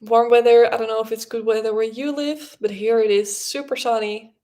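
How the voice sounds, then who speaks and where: A woman's voice: fairly high pitch, fairly even intonation, normal speed, mellow. A young woman whose first language is Dutch, chatting casually and rambling with many fillers as host of a livestream podcast.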